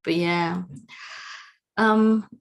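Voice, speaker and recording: A woman from Indonesia, interviewed on a video call, recounts her life story in a gravelly, low voice with fairly even intonation and a very slow pace. Warm and frequently laughing, she gropes for words and uses a lot of fillers.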